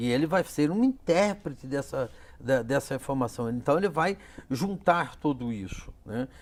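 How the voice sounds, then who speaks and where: A man speaks at a fairly slow pace. His fairly high voice has lively intonation. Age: 60s. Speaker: journalism professor. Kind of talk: interview. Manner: halting.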